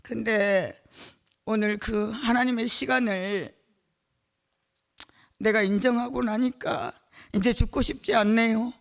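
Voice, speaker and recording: Slow, gravelly woman giving a halting testimony. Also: fairly high pitch, fairly even intonation. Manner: halting, with many fillers, laughing between phrases. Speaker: church member giving testimony. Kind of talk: emotional personal testimony at a church gathering. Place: church gathering hall.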